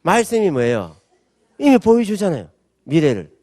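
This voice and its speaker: A middle-aged man pastor, preaching a sermon with animated storytelling and asking the congregation for answers. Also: high-pitched, normal speed, dry recording, studio quality. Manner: animated storytelling with acted-out quotes; asks the audience call-and-response questions.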